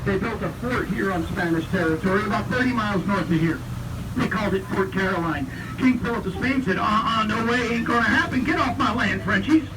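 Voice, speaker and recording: A man's voice: high voice, brisk. A man, a tour guide telling history with corny jokes to riders on an outdoor tour train. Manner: jokey, punny, playful storyteller. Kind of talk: tour narration over a speaker system. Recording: distant, noisy outdoor train recording.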